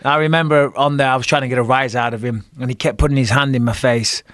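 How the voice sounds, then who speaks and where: A man's voice: medium pitch, steady tone, fast, a bit bright, no room sound, studio quality. A former fighter as a podcast guest, a man a little congested from a cold, telling stories in a profane, self-mocking way. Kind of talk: casual chat.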